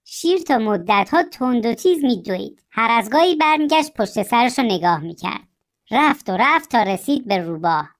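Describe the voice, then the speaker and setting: Woman storyteller for kids' audio, expressive, slightly high voice. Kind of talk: children's storybook reading.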